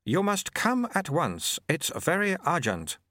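A man playing a slow, formal cloaked stranger. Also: on the high side, wildly swooping pitch, bright, forceful tone, no echo, clean studio sound, voice pushed up, full character voice. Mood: solemn. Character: mysterious cloaked male stranger, solemn.

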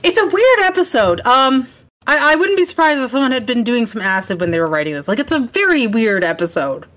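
A woman co-hosting a casual podcast, recapping a TV episode in a rambling, self-correcting, animated way. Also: on the high side, fairly quick. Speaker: podcast co-host.

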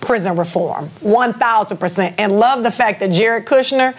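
A woman's voice: medium pitch, moderate pace. A woman in a heated panel debate, insistent and focused on facts. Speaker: panel guest.

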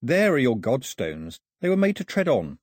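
A man's voice: medium pitch, wildly swooping pitch, normal speed, breathy edge, no echo, clean studio sound. A man voicing a sceptical young male islander in an audiobook, blunt and challenging. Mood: stubborn.

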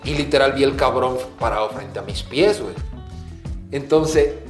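A man from the Caribbean co-hosting a podcast, telling stories in an animated, slangy way. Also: medium pitch, moderate pace. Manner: animated, slangy, acts out his own shouts. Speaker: podcast co-host. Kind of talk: casual storytelling chat. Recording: echoey room with faint music.

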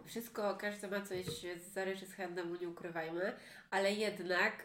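A woman's voice: mid-range voice, fairly even intonation, moderate pace, very noisy. A woman podcast host talking casually, often trailing off and restarting her thoughts. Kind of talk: casual conversational interview. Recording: roomy echo.

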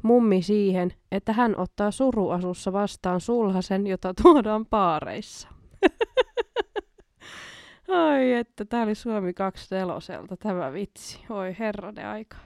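A woman's voice: mid-range voice, creaky, hardly any pauses, a little mellow. A woman hosts a casual late-night show on her own and reads jokes aloud, giggling at the punchlines. Her voice sits in a middle register. The sound is dry and close, with no room echo. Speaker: host reading listener jokes.

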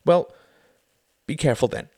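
A man voicing a harried, sharp-tongued young mother in an audiobook, with a strained, complaining manner. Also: normal speed, dry recording, clean studio sound, natural voice. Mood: wary. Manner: strained, complaining, high-flung speech.

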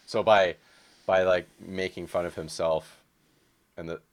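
A man in his early thirties with a notably low voice, talking film in a relaxed conversational way. His phrasing is loose and informal, as in an unscripted podcast chat. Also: unhurried. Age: early 30s. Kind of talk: casual conversation about movies.

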